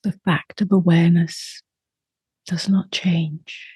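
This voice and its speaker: Very slow, soft woman guiding meditation. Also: on the low side, flat delivery, husky, no echo. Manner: soft, unhurried, long pauses between short phrases. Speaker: meditation teacher.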